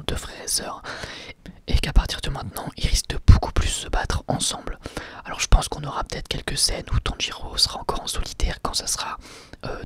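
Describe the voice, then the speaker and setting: A man speaking entirely in a soft, breathy whisper for an ASMR review. He is unhurried and hesitant, filling pauses with fillers and casual slang. Even in a whisper, his delivery rises and falls a great deal. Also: on the high side. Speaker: anime reviewer.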